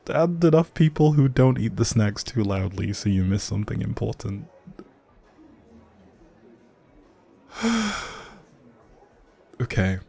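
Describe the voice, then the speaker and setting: A man's voice: on the low side, big pitch swings, a little slow, creaky, dark tone, slightly rough, heavily acted. A man playing a grumpy but secretly sweet young barista in an intimate audio roleplay, speaking straight to the listener in a teasing, wry, bookish way. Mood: amused, impressed. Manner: teasing, wry, hesitant asides.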